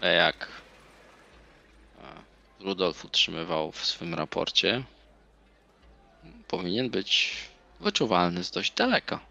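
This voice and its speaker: Man putting on a deep gravelly pompous commander. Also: big pitch swings, takes it slowly, long pauses, pushed and bright, full character voice. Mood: grave, brooding. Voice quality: low, gravelly. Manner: formal, archaic, ponderous.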